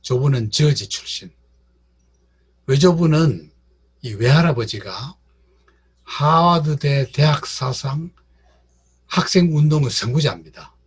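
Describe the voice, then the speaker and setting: A man's voice: fairly high pitch, animated, takes it slowly, pauses often, slightly rough. A man lecturing on literature to a class, repeating words and speaking straight to his listeners. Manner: repeats words and addresses the audience directly.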